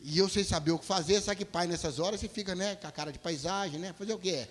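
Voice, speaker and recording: A male pastor telling a story in a sermon, animated, swinging from loud bursts to hushed low tones. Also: quick pace, noisy background. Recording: long hall reverb.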